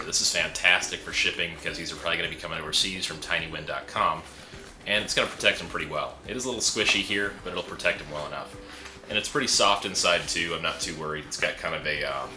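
A man's voice: low-pitched, quick pace, over music. A young man giving a casual product review in an easygoing, chatty way, with frequent fillers, speaking indoors into a camera. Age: young adult. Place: indoor room with a pegboard wall. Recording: roomy echo.

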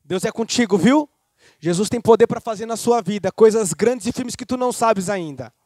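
High-voiced man preaching a sermon. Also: moderate pace, dry recording, clean studio sound. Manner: lively preaching, speaks straight to the congregation.

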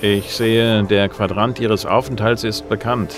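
An actor playing a self-assured, gruff bounty hunter in a science fiction radio play, dry and laconic. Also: male voice, on the low side, fairly even intonation, a little slow, lightly acted. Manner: laconic, dry, noir-style. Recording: music under the voice.

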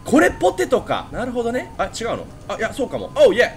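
A man's voice: very high voice, huge pitch swings, quick pace, soft background music. A young man, chatting animatedly to viewers while playing a horror game. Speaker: gaming channel host. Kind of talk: horror game let's play commentary.

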